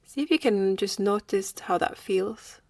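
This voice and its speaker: A woman leading a guided meditation in a slow, gentle manner with long pauses. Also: mid-range voice, vocal fry, no echo.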